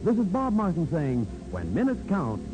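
A man's voice: high voice, wildly swooping pitch, normal speed, poor audio. An American man announcing in formal, polished 1940s scripted radio style. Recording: 1940s radio broadcast recording. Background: music.

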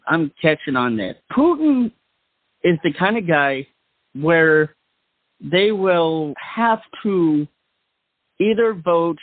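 A man's voice: fairly high pitch, no echo, phone-quality sound. A man hosting a talk show, giving casual radio-style commentary.

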